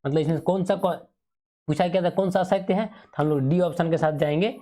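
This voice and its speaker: Here a man with a high-sitting, warm voice talks at a brisk pace. He's teaching exam revision out loud, answering his own questions and reiterating the important terms.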